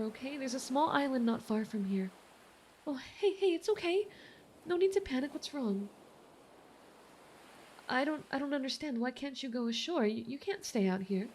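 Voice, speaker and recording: A woman voicing a kind, worried mermaid in an ASMR roleplay, speaking in a gentle, earnest, slightly hesitant way. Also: high voice, slight background noise. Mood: reassuring, puzzled, then soothing. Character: kind, worried female mermaid rescuing a shipwrecked sailor.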